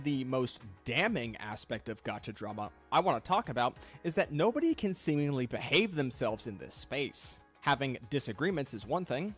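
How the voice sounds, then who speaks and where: A man reading a scripted video essay, measured and reflective, critical in tone. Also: a little high, fairly bright tone. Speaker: commentary channel host.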